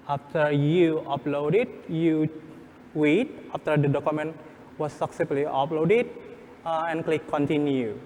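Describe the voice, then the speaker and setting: Male workshop instructor, fairly high voice, non-native phrasing, step-by-step and halting, with some room noise behind. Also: a little mellow. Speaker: workshop presenter. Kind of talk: live hands-on tutorial, step-by-step instructions. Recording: echoey hall, background room noise.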